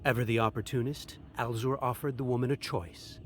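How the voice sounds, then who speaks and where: A man narrating a dark fantasy game tale as a grave storyteller, in a solemn, dramatic, measured manner. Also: mid-range voice, steady tone, faint music behind, close to an everyday voice. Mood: grave, intrigued.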